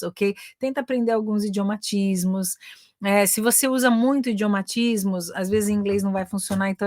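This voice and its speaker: A woman's voice: medium pitch, no room sound, studio quality. A Brazilian woman, a native Portuguese speaker, teaching English in a chatty live online class and switching between both languages.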